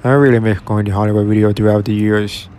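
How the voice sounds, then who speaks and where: Low-voiced man narrating a store walkthrough. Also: flat delivery, fast talker, darkish tone, slight background noise. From Oregon. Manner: plain, matter-of-fact commentary. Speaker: retail explorer vlogger.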